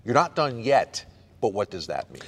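A man's voice: fairly low pitch, sing-song, normal speed. Man hosting a sports radio show.

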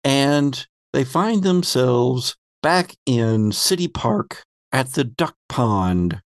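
A male game master recaps a tabletop story at an unhurried pace. His storytelling is measured and dramatic, in a mid-range voice. The sound is dry, with no room to it. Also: medium pitch, lively intonation, dry recording. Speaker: game master and podcast host.

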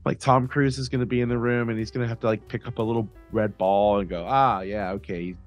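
A man's voice: fairly low pitch, steady tone, quick pace, soft background music. A man co-hosting a podcast in loose, casual chat, swearing freely and joking crudely. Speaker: podcast co-host.

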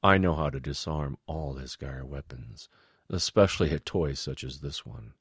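A man playing a smug, treacherous villain in an audiobook story, with a casual, measured, smirking manner. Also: rumbling low, husky, no echo, clean studio sound, full character voice. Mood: calm, dismissive.

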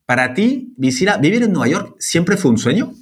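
Lively, husky male podcast host. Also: on the high side, normal speed. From France. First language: French. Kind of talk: podcast introduction and interviewing.

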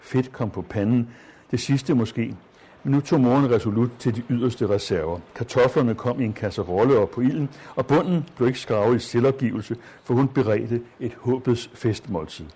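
A man reads a story aloud at a calm, measured pace and stops now and then to explain it. His voice is mellow and dark, with a slightly husky grain. His comments come with small hesitant fillers. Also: mid-range voice. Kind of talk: literary reading with commentary.

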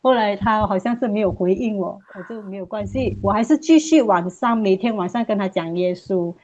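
A woman's voice: mid-range voice, brisk, darkish tone, dull audio. Earnest middle-aged woman giving testimony. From Malaysia. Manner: earnest, repetitive sentence-final particles. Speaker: testimony speaker, mother. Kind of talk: personal testimony.

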